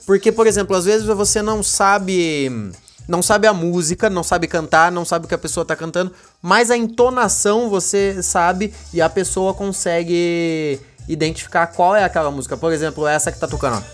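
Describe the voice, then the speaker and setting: A man hosting a casual solo podcast, rambling and joking, swinging between low mumbles and excited high bursts. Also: brisk. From Brazil. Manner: rambling, joking, addresses his dog as co-host. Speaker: podcast host.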